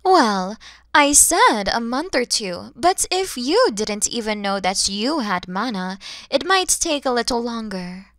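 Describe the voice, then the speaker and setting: Woman voicing a bright, expressive motherly dragon lady. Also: fairly high pitch, measured pace, dry recording. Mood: explaining, reassuring. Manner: expressive, teasing, gentle, addressing the listener directly. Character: kind motherly dragon woman, mature, playful, easily flustered. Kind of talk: ASMR audio roleplay acting.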